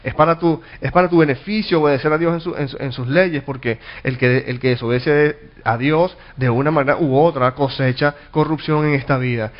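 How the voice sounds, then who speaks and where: A pastor with a slightly high voice preaches a sermon Bible study briskly, with hardly any pauses, on a recording whose highs are cut off. He teaches earnestly, often restarting and repeating words and answering his own rhetorical questions.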